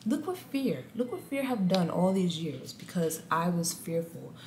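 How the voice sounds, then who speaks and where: Deep-voiced woman vlogging in an echoey room. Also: measured pace. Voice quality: deep contralto voice. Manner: candid, animated, says guys a lot. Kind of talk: casual motivational talk to camera. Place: small room indoors. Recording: echoey room, faint ambient noise.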